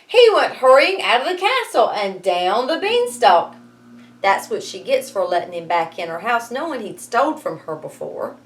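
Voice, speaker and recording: A woman's voice: medium pitch, big pitch swings, normal speed, low-quality recording. A woman, a teacher reading a story aloud expressively and adding wry explanatory asides. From United States. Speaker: schoolteacher reading aloud to students.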